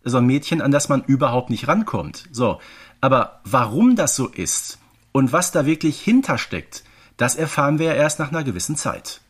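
A man's voice: medium pitch, very animated, normal speed, breathy edge. A man from the Ruhr region with a German accent, hosting a podcast in a colloquial, conversational way. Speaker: podcast host.

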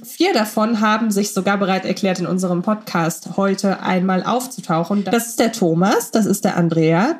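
A woman hosting a podcast in a conversational moderating style. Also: medium pitch. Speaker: podcast host.

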